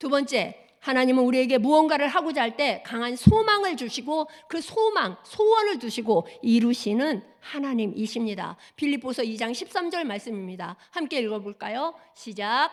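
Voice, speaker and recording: Very wide pitch swings run through the high voice of this woman. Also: moderate pace. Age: 50s. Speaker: pastor. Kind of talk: sermon. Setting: church.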